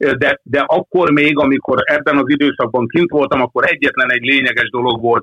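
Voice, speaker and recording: At a moderate pace and with fairly even intonation, the speaker has a plain, everyday voice. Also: man. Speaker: football coach. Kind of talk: interview. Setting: phone call.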